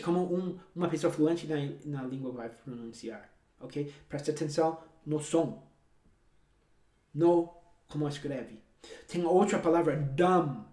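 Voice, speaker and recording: A man's voice: on the high side, mellow. Guy teaching english, not his first language he's speaking, keeps pushing and repeating his point, roomy echo. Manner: emphatic and repetitive, coaxing the viewer. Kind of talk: direct-to-camera language lesson.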